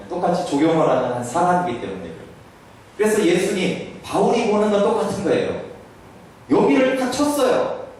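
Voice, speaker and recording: With a high, sing-song voice of darkish tone at normal speed, a pastor delivers a sermon to the congregation in a church hall. He frequently puts questions to his listeners and voices Jesus's words as quotations. He sounds far away in a very echoey room.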